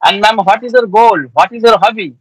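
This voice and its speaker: A man's voice: sits high, fairly quick, husky, dry recording, rough recording. A middle-aged man with an Indian accent hosting an English practice interview, polite and deferential, often saying yes, yes on a video call. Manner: polite, repeats "yes, yes", addresses guest as ma'am. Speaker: host. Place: indoor room by a window. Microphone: video call webcam.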